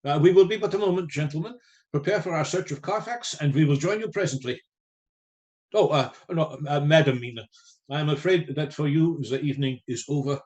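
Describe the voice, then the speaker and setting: A somewhat high-pitched, courteous professor and vampire hunter in a radio play, acted by a man. He speaks formally and with authority, grave and carefully phrased. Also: a little fast, a little mellow, lo-fi sound, close to an everyday voice. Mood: firm, concerned. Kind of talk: live radio play acting.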